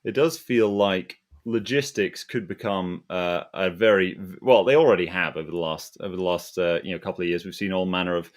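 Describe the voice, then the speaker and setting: A man's voice: low voice, fairly quick, few pauses. A man informally hosting an online financial discussion, with a wordy, roundabout way of putting things. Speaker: host.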